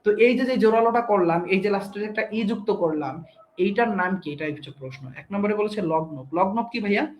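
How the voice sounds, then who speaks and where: A man's voice: sits high, animated, a little fast, roomy sound, a little hiss or hum. A young man teaching an online grammar class, explaining step by step and quizzing his students.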